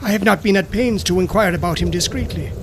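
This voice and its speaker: A man voicing a reluctant male companion who speaks in a hesitant, measured way. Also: high voice, vocal fry, background noise.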